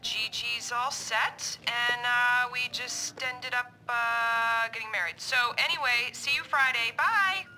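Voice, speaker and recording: An actress playing a breezy adult daughter, rambling casually and hesitantly in a message played back on an answering machine. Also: female voice, fairly high pitch, slow, few pauses, sharp tone, faint music behind, full character voice, rough recording. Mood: breezy, awkward. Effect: answering machine playback.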